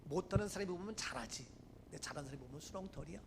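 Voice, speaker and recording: A high-voiced pastor preaching with animated swings. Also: male voice, very fast, creaky, noisy background. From Gangwon Province, Korea. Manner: animated storytelling, swings from hushed asides to loud preaching. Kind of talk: sermon. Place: church sanctuary.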